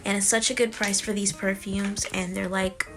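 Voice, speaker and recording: A woman reads through a sponsored product segment in a steady, matter-of-fact tone. Her pitch barely moves, with faint music playing beneath. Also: normal speed. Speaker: beauty vlogger.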